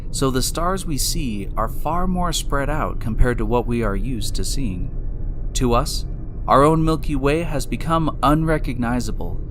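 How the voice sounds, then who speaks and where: A man's voice: mid-range voice, slight background noise. A man delivering scripted, dramatized science narration as the guide of a radio drama, explanatory in manner. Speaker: narrator and time machine guide. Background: loud music.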